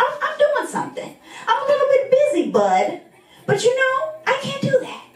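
Audible room echo accompanies an animated tone delivered at a moderate pace with ordinary pitch variation. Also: woman, extremely high pitch for a woman. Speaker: comedian. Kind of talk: stand-up comedy. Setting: studio. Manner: animated, sassy, chatty. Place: home room.

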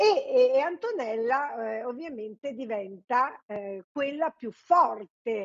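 A woman speaks over a quiet background. The sound is dry, with no echo. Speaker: remote TV commentator. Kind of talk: commentary. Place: home room. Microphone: video call.

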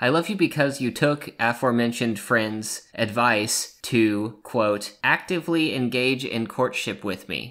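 A man talks at a fairly slow pace, with hardly any pauses, medium pitch and ordinary pitch variation. The recording is very clean, and the background is silent. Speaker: podcast co-host. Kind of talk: casual chat.

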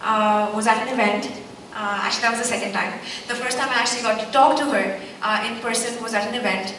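At a fairly quick pace, a woman speaks in a monotone, flat way, with audible room echo and noticeable background noise. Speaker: event host or moderator. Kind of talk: introduction speech. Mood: warm, grateful. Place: hall.

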